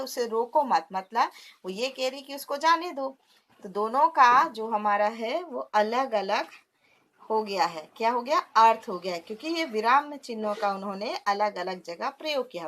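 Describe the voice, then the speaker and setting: A woman with a fairly high voice teaches a classroom lesson in patient steps. She poses questions to her students and answers them herself, dropping terms in as she goes. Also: fairly bright tone. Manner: explains step by step, asks and answers her own questions.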